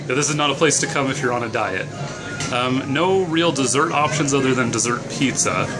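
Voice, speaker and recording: Over clear background music, a man talks at a moderate pace with ordinary pitch variation. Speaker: restaurant reviewer. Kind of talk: casual vlog review. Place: cafe. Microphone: phone near.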